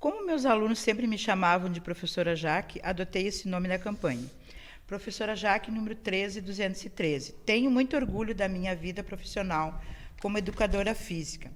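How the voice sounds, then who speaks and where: A woman talks at a fairly quick pace in a normal speaking voice. Her pitch varies in an ordinary way. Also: medium pitch for a woman. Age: 60s. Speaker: retired teacher, council candidate. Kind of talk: prepared self-introduction. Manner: fluent, read-like.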